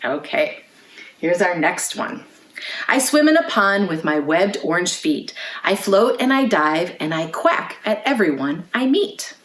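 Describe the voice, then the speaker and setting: A woman with a slightly low voice leads a storytime for young children. She phrases things clearly and invites listeners to answer questions as she reads. The recording is roomy, with noticeable echo around her voice. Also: sing-song, unhurried. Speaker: children's librarian, storytime host. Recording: roomy, echoey indoor sound.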